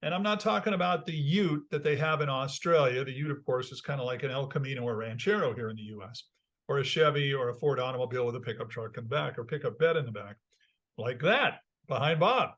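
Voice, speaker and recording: A man hosting a car podcast in a studio, chatty and enthusiastic, with loud intro announcements. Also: mid-range voice, fast. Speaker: podcast host. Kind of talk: casual talk show hosting.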